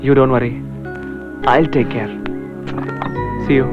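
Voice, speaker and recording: A man's voice: medium pitch, steady tone, very slow, music in the background. A man dubbing an earnest, eager young male lover, often apologetic, in a film dub. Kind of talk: dubbed film dialogue. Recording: dull dubbed film audio.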